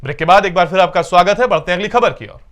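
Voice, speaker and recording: A man's voice: high-pitched, very fast, a bit bright, soft background music. A man reading scripted television news as an anchor, in a formal announcer delivery with emphatic stresses.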